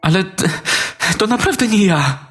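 A man's voice: lively intonation, normal speed, a bit bright. A man voicing a desperate little boy. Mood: pleading. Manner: pleading, high-pitched and tearful. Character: frightened little boy in preschool.

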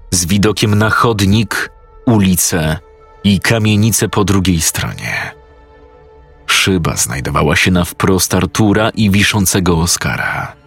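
A male narrator reading a horror story with a very deep, gravelly, slightly husky voice. He speaks slowly with lively shifts in pitch, and faint music runs underneath.

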